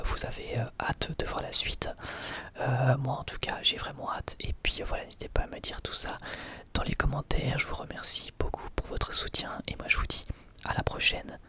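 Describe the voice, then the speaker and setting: Male ASMR host for whispered reviews, bright breathy tone, thinks aloud hesitantly. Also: medium pitch. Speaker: host reviewing an anime episode.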